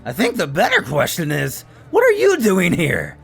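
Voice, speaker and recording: A man's voice: sits high, wildly swooping pitch, moderate pace, gravelly, breathy edge, faint music behind, heavily acted. A man voicing a breezy, friendly young swordsman with a casual, chummy way of talking.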